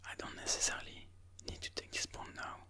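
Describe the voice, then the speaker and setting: Whispering breathily with no voicing, an ASMR host talks through chess moves slowly and deliberately. The whisper sounds pushed and bright.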